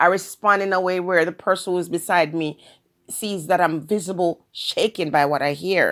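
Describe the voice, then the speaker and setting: A woman with a Jamaican accent and a fairly low pitch speaks at a moderate pace with fairly even intonation, on a very clean recording with a silent background. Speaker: YouTube commentator. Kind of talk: opinion monologue.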